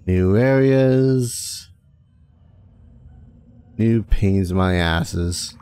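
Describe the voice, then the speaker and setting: A man's voice: low-pitched, very slow, mellow, clean tone. A man hosting a let's play as game master, chatting casually with hesitant, dry, self-mocking humor. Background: game music.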